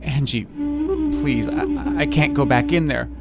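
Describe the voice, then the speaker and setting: A man playing a frightened, servile father figure pleading haltingly in a radio play. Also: fairly high pitch, huge pitch swings, creaky, full character voice. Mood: fearful pleading. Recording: loud music bed under the voice.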